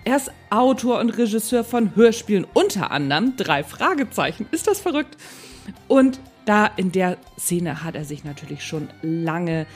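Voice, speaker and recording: Female podcast host, informal and enthusiastic, average pitch, faint music behind. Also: very animated, normal speed, husky. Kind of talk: podcast intro and casual interview chat.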